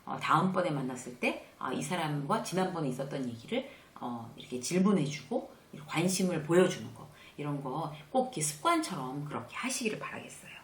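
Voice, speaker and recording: A woman's voice: brisk, few pauses. A middle-aged woman hosting a casual spoken lesson on workplace manners, acting out sample greetings as she goes. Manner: lively, acts out sample greetings in a bright higher voice. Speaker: workplace lecturer and channel host. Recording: roomy echoey room.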